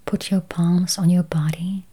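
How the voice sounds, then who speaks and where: Whispering, breathy woman guiding meditation slowly. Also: on the low side, level tone, dark tone. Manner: slow, soothing, with long pauses. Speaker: guided meditation host. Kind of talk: whispered guided meditation with affirmations.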